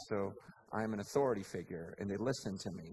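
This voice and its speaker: A man with an American accent at a very fast pace and fairly low pitch, with noticeable background noise. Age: 40s. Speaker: pastor. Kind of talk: sermon. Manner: animated.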